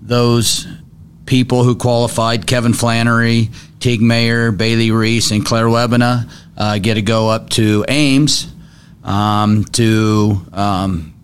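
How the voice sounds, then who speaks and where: A man's voice: mid-range voice, level tone, slow pace, clear, resonant tone. A man co-hosting a casual local radio chat, giving school news in an easygoing, matter-of-fact way with many fillers. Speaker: co-host, school district representative.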